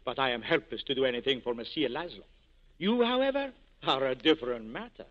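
Man playing animated, courtly black-market boss. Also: mid-range voice, a little fast, natural voice. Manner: courtly, formal. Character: smooth, self-important male black-market boss. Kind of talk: 1940s radio acting. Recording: dull 1940s radio broadcast recording.

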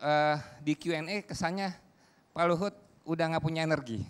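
A man's voice: fairly high pitch, normal speed, clear, resonant tone. A man speaking as a talk show panelist, arguing insistently and backing each point with figures. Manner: argumentative, presses points with figures.

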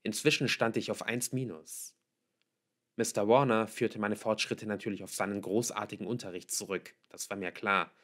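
A man's voice: on the low side, steady tone, normal speed, a bit bright. A man reading a novel aloud as scripted audiobook narration. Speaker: audiobook reader.

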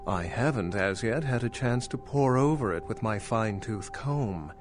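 A man's voice: on the low side, animated, unhurried, music in the background. A man playing a wry, scholarly vampire archaeologist in a video game, with a dry, erudite, sardonic manner. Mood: wry, unimpressed.

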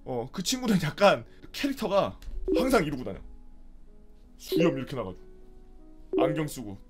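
A young man streaming, telling a funny story from his student days in a casual, animated way, acting out his friends' lines with sudden loud, high bursts. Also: moderate pace, over music.

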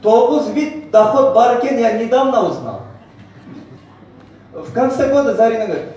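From a camera far back among the audience, a large hotel banquet hall's echo and noise surround a middle-aged Central Asian-accented man on stage. A senior network marketing manager, he gives a bilingual motivational presentation in a high, animated, emphatic voice at normal speed, boasting and tossing out rhetorical questions.

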